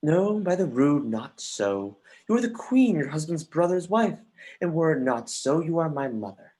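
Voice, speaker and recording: A husky, mid-pitched voice plays an anguished young prince in an actor's stage reading. The delivery is declamatory Shakespearean verse, accusing and scornful. It moves between muttering and outbursts, with the odd stumble over a line. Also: sing-song, moderate pace, warm tone. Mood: scornful, defiant. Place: remote livestream from home.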